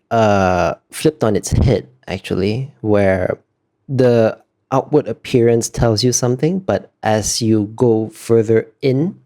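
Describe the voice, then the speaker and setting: A concept artist being interviewed speaks in a lowish, mellow male voice. He's casual and thoughtful, often pausing as he searches for words.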